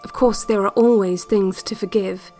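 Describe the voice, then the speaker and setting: An actress playing a calm, yearning woman who narrates secret relaxation cassettes in a measured, intimate audio drama monologue. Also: medium pitch, soft background music, close to an everyday voice. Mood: hopeful, soothing. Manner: measured, deliberate, repetitive phrasing.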